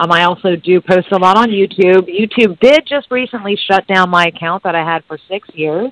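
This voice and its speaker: In an ordinary speaking voice, the speech runs at a moderate pace with ordinary pitch variation, recorded with a dry, close sound and no echo. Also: woman, medium pitch for a woman. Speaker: online show host. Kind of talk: call-in round table.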